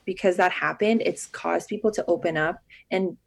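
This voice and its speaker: A woman's voice: fairly low pitch, moderate pace, vocal fry, rough recording. Chatty woman on a podcast. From Alberta, Canada. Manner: chatty and emphatic, many "like" and "you know". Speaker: guest, marketing agency founder. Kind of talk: casual podcast interview.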